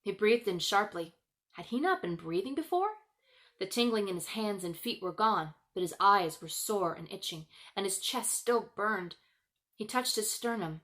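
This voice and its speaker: A woman author hosting her own video, with expressive storybook narration and chatty vlog talk. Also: medium pitch, normal speed.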